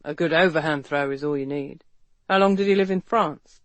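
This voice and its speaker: A man acts out a bold, protective Victorian gentleman from the London streets, plain-spoken and quietly teasing. His voice sits a little high for a man, recorded close and dry, like a storybook audiobook. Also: normal speed, no room sound, natural voice. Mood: admiring. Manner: matter-of-fact, then coaxing and flirtatious.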